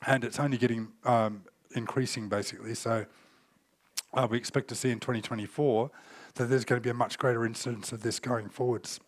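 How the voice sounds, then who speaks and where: This keynote speaker on cyber threat intelligence, a man in his forties, is recovering from a cold and coughs occasionally as he presents from the stage. He talks briskly in a steady, mid-range voice, explaining things loosely with plenty of fillers, with no echo.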